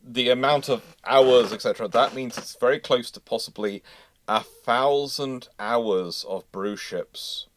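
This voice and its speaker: A man's voice: medium pitch, a little slow. A man hosting a casual livestream, chatting in a rambling way as he thinks aloud. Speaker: host of a naval history livestream.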